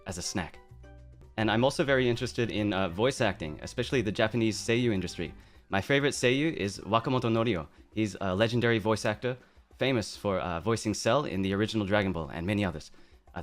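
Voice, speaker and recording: A man streaming, chatting casually and playfully about his likes and interests, with fillers and asides. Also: lowish voice. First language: English. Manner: playful, mock-tough opening, rambling asides. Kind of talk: casual live-stream chat.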